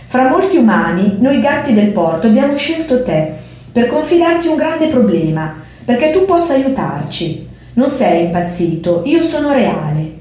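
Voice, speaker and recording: A woman voicing a big, calm black male cat who patiently corrects a man, in a storybook reading. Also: on the high side, normal speed, pitched above the performer's own voice. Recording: very echoey room.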